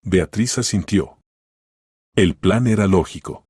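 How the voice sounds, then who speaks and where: Male narrator, scripted storytelling, steady and measured, low voice, dry close sound. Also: slightly rough, dry recording.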